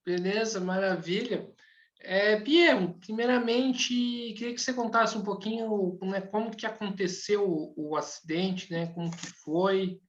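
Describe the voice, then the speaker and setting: Male podcast host; relaxed, unhurried interviewer, dull recording. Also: sits high. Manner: relaxed, many tag questions. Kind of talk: casual interview hosting. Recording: dull lo-fi sound.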